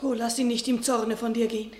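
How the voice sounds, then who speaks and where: High, pleading court lady played by a woman. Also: flat delivery, fairly quick, a little mellow, echoey room, lightly acted. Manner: pleading, earnest. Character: gentle, anxious young lady of the royal court. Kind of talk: classical verse radio drama acting.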